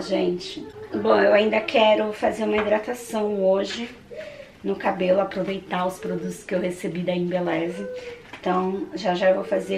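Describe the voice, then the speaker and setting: A young Brazilian woman vlogger with a hoarse, husky voice, chatting casually to her viewers at home. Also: medium pitch. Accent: Brazilian Portuguese. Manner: chatty, keeps addressing viewers. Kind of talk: casual chat to camera. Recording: roomy, distant camera mic.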